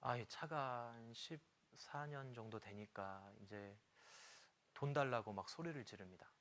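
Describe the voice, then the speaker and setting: Man, middle-aged, pastor, sermon, scripture reading, light humorous anecdotes, mid pitch. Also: measured pace, a bit bright. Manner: reads scripture aloud, then personal anecdotes with humor; sings a hymn line briefly. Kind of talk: sermon to church teachers.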